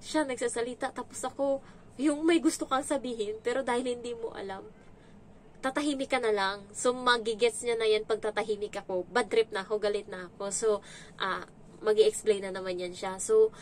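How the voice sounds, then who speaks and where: A young woman from the Visayas with a voice, talking casually to camera as a domestic helper vlogger and telling animated stories. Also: on the high side, moderate pace, a little hiss or hum. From Visayas, Philippines. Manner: chatty, animated storytelling with imitations.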